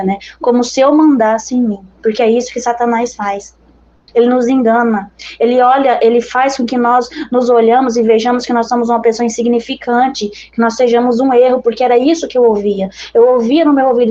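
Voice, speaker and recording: A woman's voice: on the high side, dark tone, highs cut off. A woman missionary with a Brazilian accent giving an earnest, conversational religious testimony to her brothers and sisters in faith.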